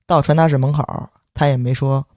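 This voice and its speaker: A young man with a Beijing accent, telling an indignant story on a podcast in lively casual chat and acting out the voices of the people involved. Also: mid-range voice, fairly quick, no room sound, clean studio sound. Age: young adult. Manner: animated, indignant, acts out quoted voices. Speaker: podcast co-host.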